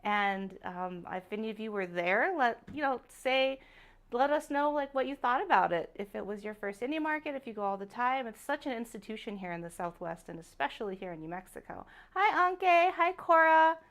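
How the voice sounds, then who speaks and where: A woman hosting a live-streamed jewelry sale, chatty and upbeat, greeting viewers by name, her voice a little raspy from a sore throat. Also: a little high, animated, moderate pace, a bit bright. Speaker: jewelry show host. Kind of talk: live-stream sales chat.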